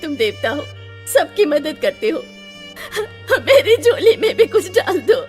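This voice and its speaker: Poor, devoted working mother, radio drama: high, very expressive, emotional delivery. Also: unhurried, soft background music. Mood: tearful pleading. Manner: pleading, emotional. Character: poor labourer mother, devoted, anxious wife. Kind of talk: Hindi radio play acting.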